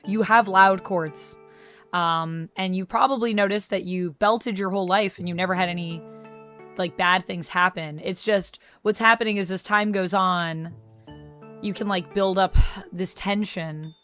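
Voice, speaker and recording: A woman's voice: mid-range voice, steady tone, measured pace, a bit bright, faint music behind. A woman chatting casually on her live stream, reading chat messages aloud and replying to viewers. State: recovering from vocal strain.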